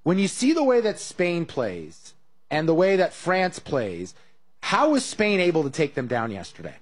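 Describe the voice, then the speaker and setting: A man's voice: fairly high pitch, huge pitch swings, normal speed, husky. A man hosting a sports talk show, conversational and joking as he leads the questions. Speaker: host.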